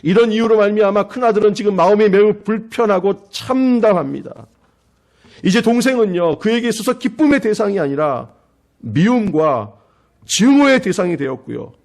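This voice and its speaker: Animated Korean pastor preaching dramatically. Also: male voice, high voice, moderate pace. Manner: dramatic, acting out quoted voices with rising intensity. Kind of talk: sermon. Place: church.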